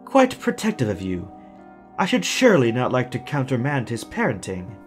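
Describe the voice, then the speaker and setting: A man's voice: medium pitch, wildly swooping pitch, normal speed, faint music behind. A man playing a suave psychopathic villain in an audio drama, courteous and mock-polite, with a faint German accent. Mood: silky menace. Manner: courtly, mock-polite, teasing tag questions. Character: suave, theatrical psychopathic villain, serenely pleasant kidnapper.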